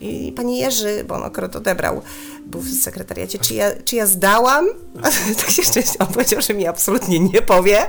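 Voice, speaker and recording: A woman talks fairly quickly, with noticeable background noise around her voice. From Silesia, Poland. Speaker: actress and screenwriter. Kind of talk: casual chat.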